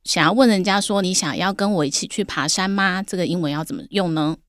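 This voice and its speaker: A woman hosting in relaxed chat, leading each topic with a question to her partner. Her voice is on the low side, recorded close and dry. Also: quick pace, no echo. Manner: leads the talk with prompting questions. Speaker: show host. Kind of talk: casual teaching chat.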